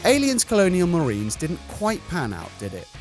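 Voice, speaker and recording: A man's voice: on the high side, huge pitch swings, normal speed. A man reading comic scripted commentary in a wry, sarcastic manner. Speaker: video narrator. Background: light music.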